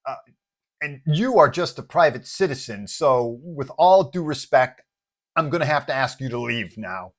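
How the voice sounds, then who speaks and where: A man's voice: mid-range voice, lively intonation, normal speed, close to an everyday voice. A flustered male politician, put on by a man reading aloud in a superhero tale. He stammers and dodges, nervous and evasive, in a mid-range voice. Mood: flustered, defensive.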